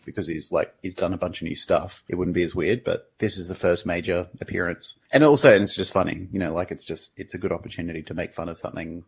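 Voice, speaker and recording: A man's voice: low-pitched, fast, vocal fry, hardly any pauses, fairly bright tone, husky. A man co-hosting a podcast, casually giving his opinions on a TV episode. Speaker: podcast co-host.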